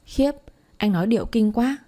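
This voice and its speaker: A woman's voice: a little high, lively intonation, normal speed, dark tone, voice pushed up. A woman doing a feisty teenage girl. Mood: teasing.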